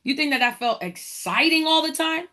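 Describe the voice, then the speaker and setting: A devout mother who raised three kids alone speaks with firm, preachy reassurance. Her faith is unshakable, and her words come out steady and insistent. The voice is a woman's, raised a little in pitch as she plays her own mom. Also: normal speed. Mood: firm, encouraging.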